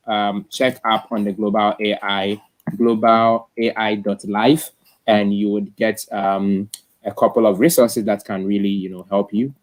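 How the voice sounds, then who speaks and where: A man's voice: on the low side, rough recording. A man hosting an online tech talk in an informal, effusive way, often repeating himself. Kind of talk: informal live-stream hosting.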